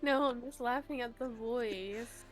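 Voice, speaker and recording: A woman with a fairly high voice chats casually as co-host of a game playthrough. She talks at a slow pace. Music plays softly behind her. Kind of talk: casual let's play chat.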